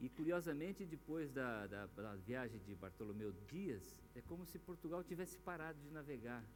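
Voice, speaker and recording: Through audible room echo, a man talks at a moderate pace with a fairly high pitch, very wide pitch swings and vocal fry. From Brazil, Paraná interior. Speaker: author and journalist. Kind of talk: public Q&A talk. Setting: theatre stage with audience.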